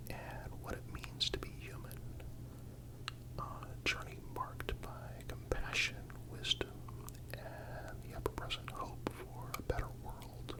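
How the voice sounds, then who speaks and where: A soothing ASMR narrator reading a scripted reflection in a breathy, unvoiced whisper, measured and deliberate. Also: very high voice, low-quality recording.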